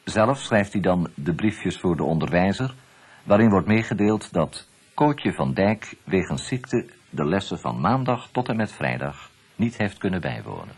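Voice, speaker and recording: Male documentary narrator: measured storytelling, lively, varied delivery. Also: sits low, breathy edge. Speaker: journalist, narrator. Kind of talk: scripted radio narration.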